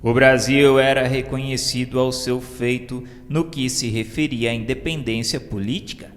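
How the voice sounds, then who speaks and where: Brazilian male narrator, grave and unhurried, reverberant room, soft music bed. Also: medium pitch. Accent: Brazilian Portuguese. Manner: slow, solemn, measured delivery. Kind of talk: scripted radio drama narration. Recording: long reverb with faint music.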